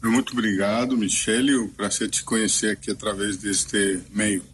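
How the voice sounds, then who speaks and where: A middle-aged man from Argentina with an Argentine accent, a native Spanish speaker, answering in a radio interview as a pastor and missionary, telling his story in a reflective way and often clearing his throat. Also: fairly low pitch, flat delivery, moderate pace, slight background noise.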